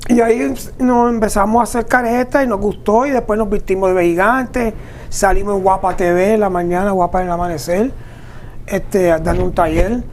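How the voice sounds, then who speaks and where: A man's voice: high voice, steady tone, moderate pace. A man from Ponce with a Puerto Rican accent, a guest artisan on a local TV show. He answers at length and in detail, dropping in English fillers. A faint hiss sits under the recording. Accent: Puerto Rican Spanish. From Ponce, Puerto Rico. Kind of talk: interview answers.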